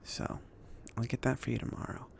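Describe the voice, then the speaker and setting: A man playing a chill, considerate mage in an ASMR fantasy roleplay, speaking softly in a casual, hesitant, reassuring way. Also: brisk, a little hiss or hum, close to an everyday voice. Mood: gentle, reassuring. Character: chill, considerate mage sending an apprentice on errands.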